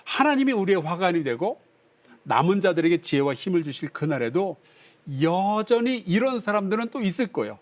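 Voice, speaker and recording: A male pastor teaching a Bible class on broadcast, reading scripture aloud and explaining it in a lively, conversational way. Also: sits high, a little fast. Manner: reads scripture aloud, acts out drunk voices playfully.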